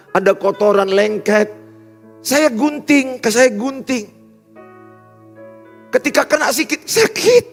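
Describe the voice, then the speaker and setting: A man, preaching a sermon in a large church hall. He builds cadenced lists with loud emphasis, then drops into soft, intimate asides. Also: very high voice. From Indonesia. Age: 50s. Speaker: pastor. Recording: long hall reverb with faint music.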